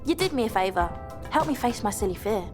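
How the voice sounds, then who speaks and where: An actress in a children's TV comedy, speaking emphatically with a lively voice. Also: female voice, fairly high pitch, fast talker, over loud music. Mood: grateful.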